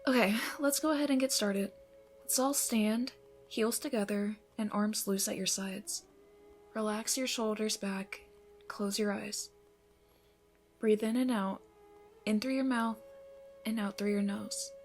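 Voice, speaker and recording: Actress as calm, encouraging female yoga teacher for ASMR roleplay; soft, near-whispered guidance, medium pitch, light music underneath. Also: measured pace, pauses often, close to an everyday voice. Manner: soothing, breathy instructions, often softening toward a whisper. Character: gentle, encouraging female yoga instructor leading a morning class. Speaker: yoga instructor.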